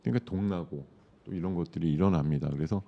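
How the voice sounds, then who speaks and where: A man's voice: sits low, quick pace, creaky, dull audio. A man with a sore throat, a stock market commentator explaining trends in loose, conversational live-show chat with many fillers.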